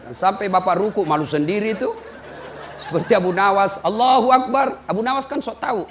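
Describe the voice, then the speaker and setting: High-voiced preacher telling jokes. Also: male voice, brisk, slight background noise. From Indonesia. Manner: lively storytelling with mimicked voices and shouted questions. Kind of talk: humorous sermon.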